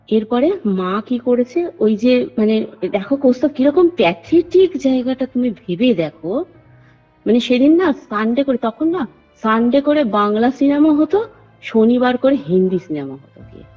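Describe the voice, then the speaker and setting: A woman's voice: a little high, expressive, moderate pace. A woman, calling in to tell a true ghost story in a rambling, earnest way and often addressing the host. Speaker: caller sharing a personal story. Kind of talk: telling a true ghost story over the phone. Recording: dull lo-fi phone call with faint music.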